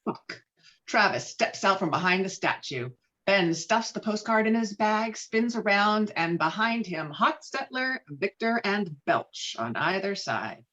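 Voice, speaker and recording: Woman reading out screenplay directions, mid pitch, kinda dull lo-fi audio. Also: lively intonation, measured pace, sharp tone. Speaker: narrator reading stage directions. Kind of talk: scripted narration at a virtual table read.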